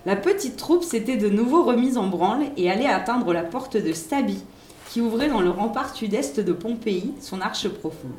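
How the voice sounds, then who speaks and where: A woman reading a children's book aloud in an expressive, lively storytelling manner. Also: a little high, moderate pace, echoey room. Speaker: reader.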